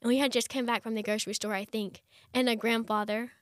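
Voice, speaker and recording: A young woman, a chatty interview guest who talks fast with lots of fillers. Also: fairly high pitch, flat delivery, no echo, studio quality. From United States. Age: young adult. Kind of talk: conversational interview.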